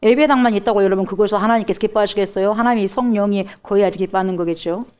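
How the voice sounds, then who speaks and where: A woman's voice: mid-range voice, rapid-fire, darkish tone, clear, resonant tone. A woman pastor with a Jeolla accent preaching a sermon emphatically and putting direct questions to the congregation.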